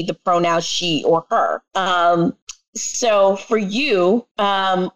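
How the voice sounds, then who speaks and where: A podcast guest from the Bronx speaks in a low-pitched voice with a New York accent. She chats casually in long winding sentences and laughs often. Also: low-quality recording. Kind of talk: casual conversation.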